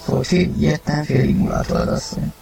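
A man reading a story aloud, narrating and acting the husband's lines with sudden loud outbursts. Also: fairly high pitch, fairly even intonation, vocal fry, music in the background. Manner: acted, rising to shouts in heated lines. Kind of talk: dramatized audiobook reading.

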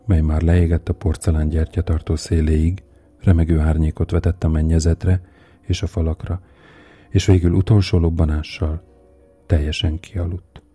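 A man narrates an audiobook in a low, very dark voice with a husky edge. He reads slowly and keeps the suspense building. Faint music plays underneath. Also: flat delivery. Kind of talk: audiobook reading.

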